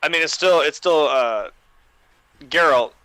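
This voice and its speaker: Bright, clear-voiced man chatting casually. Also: on the high side, unhurried, dry recording. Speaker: podcast co-host or panelist. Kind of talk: casual panel discussion.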